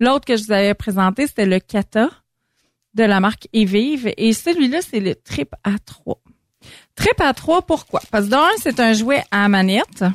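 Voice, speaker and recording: A woman speaks in a normal speaking voice, fairly high in pitch, with lively intonation and very even loudness at a fairly slow pace. The recording is very clean with a silent background, and the sound is dry and close with no echo. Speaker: adult products sales ambassador. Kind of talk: product presentation.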